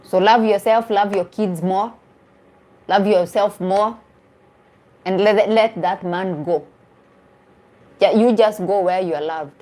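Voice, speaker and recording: A woman's voice: medium pitch, takes it slowly, long pauses, mellow. Earnest woman in her forties. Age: 40s. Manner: earnest, repeats and restarts phrases for emphasis. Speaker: dating coach. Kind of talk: casual live-stream chat answering viewer comments.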